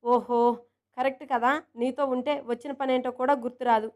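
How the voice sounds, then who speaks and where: An affectionate, teasing girlfriend, put on by a woman narrator; high voice, fond and coaxing. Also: fairly even intonation, moderate pace, darkish tone, natural voice. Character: teasing, affectionate young woman friend and coworker.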